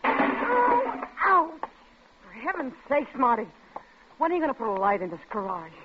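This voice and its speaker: An actress playing a bitter, nagging wife in an old radio drama, sarcastic and scolding, always discontented about money. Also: female voice, on the high side, very animated, fast talker, phone-quality sound, loud music behind the voice. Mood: angry, scornful. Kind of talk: 1940s-50s radio drama acting.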